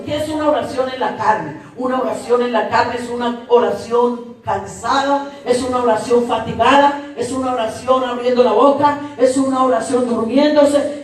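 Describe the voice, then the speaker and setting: A woman's voice: a little high, a little mellow. Woman preaching in an echoey hall. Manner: emphatic, repetitive, addresses congregation directly. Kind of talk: sermon. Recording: very echoey hall, distant mic.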